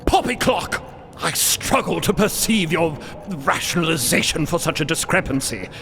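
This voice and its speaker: Pompous, grandiloquent count for audio drama; high, theatrical, wildly animated delivery. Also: male voice, normal speed, creaky, big-room sound, faint music behind. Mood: indignant. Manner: grandiloquent, theatrical, bellowing outbursts. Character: pompous, blustering old count of timekeepers, male commander. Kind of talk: audio drama character acting.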